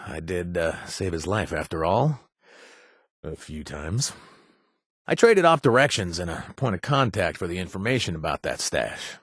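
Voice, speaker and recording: A man's voice: low voice, no room sound, studio quality. An actor playing a remorseful male ex-raider companion in a video game, wry and self-deprecating. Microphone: studio mic, dry booth.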